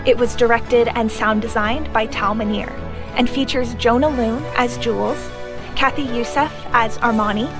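A woman reading the episode credits in an even, plain read. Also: fairly high pitch, normal speed. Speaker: credits announcer. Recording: music playing under the voice.

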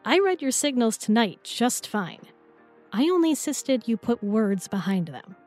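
A woman's voice: fairly high pitch, very animated, measured pace, a little mellow, faint music behind. A young woman playing an affectionate, teasing new girlfriend in an intimate roleplay audio, with a playful, tender, coaxing manner.

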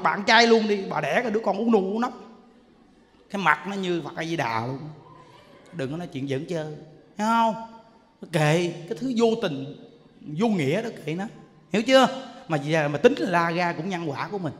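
A man, a Buddhist monk preaching and telling stories in an animated way. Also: sits high, a little fast, pauses often. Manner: animated storytelling, acts out people he quotes. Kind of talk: sermon. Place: temple hall. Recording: long hall reverb, faint ambience.

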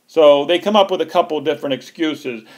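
Guy ranting on his politics channel, slightly high voice, repeats himself a lot. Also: a little fast, darkish tone. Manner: emphatic and repetitive, heated. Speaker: political commentary host.

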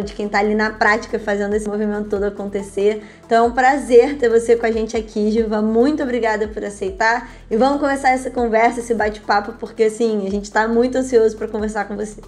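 Young woman host on a video call, kinda higher voice, slow steady intro. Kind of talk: show introduction. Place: home room with bookshelf.

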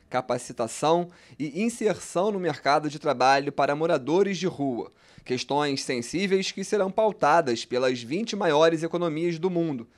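A young man with a Brazilian Portuguese accent narrating a TV news report in a steady, clear reporter's delivery, holding a handheld mic at an indoor event. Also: on the high side. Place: large indoor event hall.

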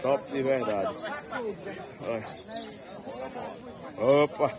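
A man's voice: medium pitch, very slow. A man, hosting a casual vlog while walking a street market, chatty and drawn out as he quotes prices. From Northeast Brazil. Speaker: channel host filming a market. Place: busy outdoor street market. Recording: outdoor street market crowd noise. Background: crowd chatter and traffic.

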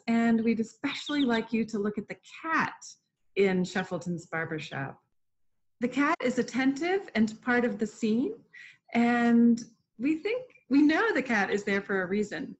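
A middle-aged woman presenting an informal educational art lesson for children from a room at home over a video call. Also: on the high side. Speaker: museum educator hosting an online art lesson. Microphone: computer mic on a video call. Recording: dull, lo-fi video call audio.

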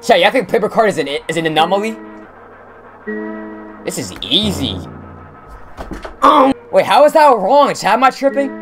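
Animated young man live-streaming a game. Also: high voice, moderate pace, long pauses, faint music behind. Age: young adult. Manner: slangy, addresses chat, reacts excitedly. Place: indoor room at streaming setup.

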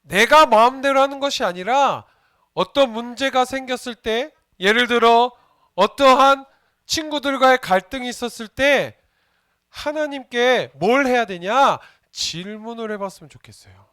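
A man's voice: extremely high pitch, measured pace, a bit bright, clear, resonant tone, dry recording, studio quality. A man, a junior pastor, giving a playful children's sermon and asking the kids questions as he goes. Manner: playful, asks the children questions and jokes with them.

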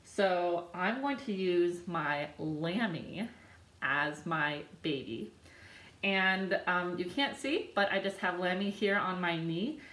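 A woman in her thirties, a children's librarian, singing a picture book for babies at home in a slow, bouncy sing-song with sound effects. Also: fairly low pitch, fairly bright tone, roomy sound. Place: living room with a couch and a decorated wall.

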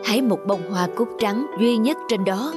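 A woman voicing a gentle wise old grandmother. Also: on the high side, pitched below the performer's own voice, natural voice. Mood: gentle, soothing. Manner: slow, soothing, grandmotherly. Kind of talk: cartoon voice acting. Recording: background music under the voice.

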